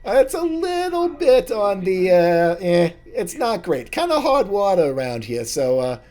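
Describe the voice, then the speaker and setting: A man voicing a jovial male halfling bartender who greets guests loudly and chats on and on. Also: high-pitched, big pitch swings, unhurried, pitched above the performer's own voice. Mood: boisterous, friendly. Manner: loud, chatty and welcoming.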